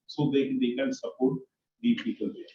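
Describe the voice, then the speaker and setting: A man with an Indian accent answering questions as an executive on an earnings call, speaking haltingly and repeating his phrases. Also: medium pitch, sing-song, vocal fry, warm tone. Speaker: company executive. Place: conference call. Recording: muffled, distant, echoey conference call.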